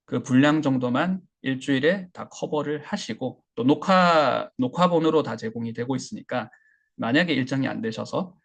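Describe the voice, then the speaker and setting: Male instructor, gravelly and husky, mid-pitched; relaxed lecturing with fillers. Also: normal speed. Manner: relaxed, explanatory, many fillers and restarts. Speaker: English listening instructor. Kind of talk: online class lecture.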